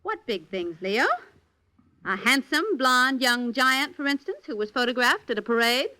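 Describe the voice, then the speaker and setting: A woman's voice: sits high, animated, moderate pace, bright, forceful tone. An actress playing a scheming, glamorous female film star in a 1950s radio drama, sultry and condescending.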